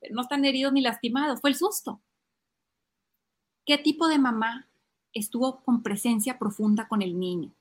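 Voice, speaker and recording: A middle-aged woman giving parenting advice on a podcast, acting out little family scenes. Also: high-pitched. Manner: lively, acts out child and parent voices. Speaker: podcast guest speaking on parenting.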